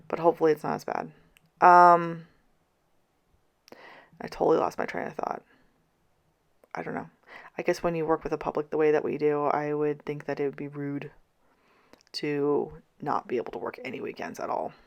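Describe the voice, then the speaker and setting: A woman in her thirties chatting casually in a vlog, tired, her voice scratchy and hoarse, going out as she talks. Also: deep voice, steady tone, normal speed, long pauses, highs cut off. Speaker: vlogger. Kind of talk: casual planner vlog chat.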